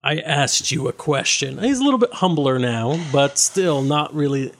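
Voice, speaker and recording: A man voicing a haughty one-eyed male halfling necromancer in a tabletop game, speaking slowly and with indignation. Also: fairly high pitch, expressive. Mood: menacing.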